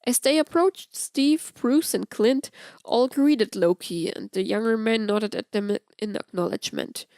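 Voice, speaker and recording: A woman's voice: on the high side, measured pace, darkish tone, no echo. A woman reading scripted fan fiction aloud as an audiobook narrator.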